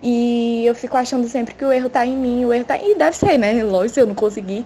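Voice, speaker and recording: This woman's voice is high in pitch with ordinary pitch variation. She talks at a moderate pace. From Brazil, Fortaleza, Ceará. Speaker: listener sending voice message. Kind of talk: recorded voice message.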